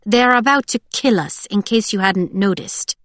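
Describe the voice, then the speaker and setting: A woman voicing a sarcastic, sharp-tongued young woman in an audiobook, blunt and feisty. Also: mid-range voice, normal speed, no room sound, natural voice.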